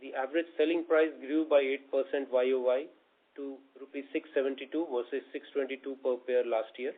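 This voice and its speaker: A man's voice: medium pitch, fairly even intonation, a little fast. Phone-line Indian man presenting financial results. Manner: formal, reciting figures methodically. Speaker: chief financial officer. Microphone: conference call line. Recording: thin phone-like conference line.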